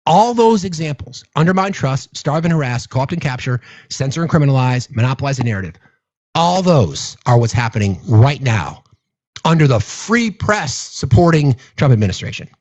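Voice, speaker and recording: A man's voice: mid-range voice, sing-song, moderate pace, darkish tone, no echo. A man hosting a political commentary livestream, speaking earnestly and taking callers. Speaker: livestream host. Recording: dull, dry lo-fi sound.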